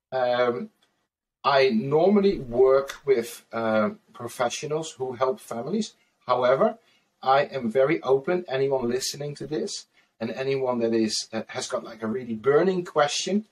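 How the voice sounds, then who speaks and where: Dutch-accented man on a distant webcam. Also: medium pitch. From Netherlands. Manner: earnest, many "uh" fillers. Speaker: guest, solution-focused trainer. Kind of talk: casual video-call interview. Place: small room at home. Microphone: webcam mic on video call, from a distance.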